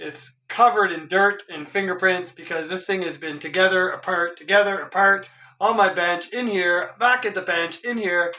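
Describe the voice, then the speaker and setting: A man speaks in a raised, projected voice at a high pitch with a bright, sharp tone. His pace is moderate and his intonation fairly even. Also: big swings in loudness. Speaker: guitar tech YouTuber. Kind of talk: casual vlog talk.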